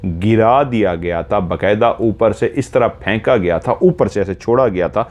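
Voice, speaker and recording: Low-voiced man narrating slowly. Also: darkish tone. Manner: slow, measured first-person retelling. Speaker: storyteller. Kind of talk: horror story narration.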